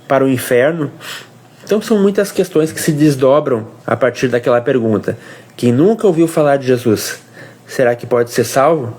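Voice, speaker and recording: A man from Brazil, explaining a faith question on a casual family devotional livestream, with pauses and restarts. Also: a little high, darkish tone. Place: home livestream.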